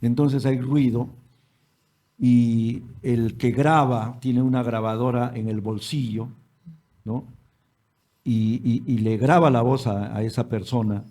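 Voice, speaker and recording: A man's voice: medium pitch, fairly even intonation, takes it slowly, dark tone. A man hosting an interview, asking long hypothetical questions with some hesitant restarts. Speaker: host.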